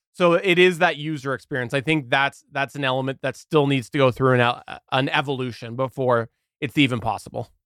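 A man at a medium pitch, fairly quick with hardly any pauses and ordinary pitch variation, in a dry, close sound with no echo. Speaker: podcast host. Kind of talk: casual chat. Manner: excitable, animated.

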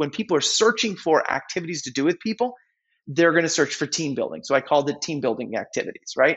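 Delivered at a very fast pace, the speech carries lively intonation. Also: man. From New England. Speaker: workplace culture speaker and author. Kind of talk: interview.

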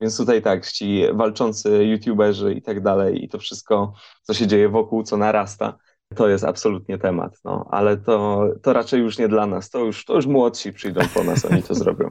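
A man speaks at a moderate pace in an ordinary speaking voice. The background is quiet. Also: fairly low pitch for a man, fairly even intonation. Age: 30s. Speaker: podcaster and book author. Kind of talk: casual interview. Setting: remote call.

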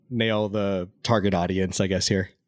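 A plain, everyday voice from a man with an American accent, fairly low in pitch, at a moderate pace, on a very clean recording with a silent background. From Las Vegas, Nevada, US. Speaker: movie podcast co-host. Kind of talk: casual chat.

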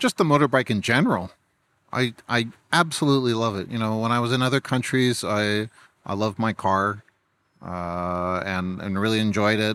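In a very clean recording with a silent background, a man speaks at medium pitch and a moderate pace in a plain, everyday voice. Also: ordinary pitch variation. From Toronto, Canada. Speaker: UX design expert. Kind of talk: casual chat. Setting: outdoors on a bar rooftop.

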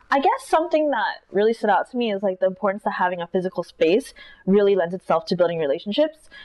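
Over noticeable background noise, a woman with an American accent talks very fast at a medium pitch, her intonation lively. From Southern California, Irvine. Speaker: law student. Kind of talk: interview.

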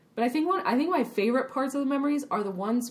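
A woman speaks over noticeable background noise. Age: 20s. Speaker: podcast co-host. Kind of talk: casual chat. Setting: home apartment recording.

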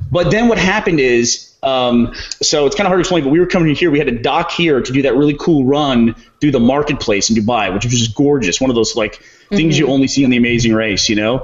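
A man with an American accent talks at a very fast pace and a fairly high pitch. His intonation is lively and his loudness stays very even. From Texas. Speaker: reality show contestant. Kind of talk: casual chat.

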